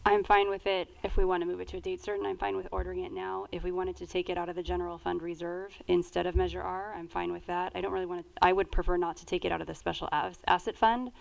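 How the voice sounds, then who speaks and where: Low, even-toned woman with vocal fry. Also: fast talker, hardly any pauses, low-quality recording. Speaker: city council member. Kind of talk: stating a position in a public meeting.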